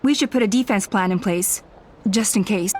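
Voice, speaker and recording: A woman's voice: medium pitch, normal speed, darkish tone, slight background noise, lightly acted. A woman playing a serious, cautious tribal aide in a video game, with an earnest, matter-of-fact delivery. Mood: concerned, earnest.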